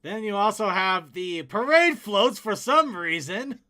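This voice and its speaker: A man hosting casual fan commentary, speaking in a halting, stop-start way. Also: sits high, sing-song, bright, forceful tone. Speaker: host.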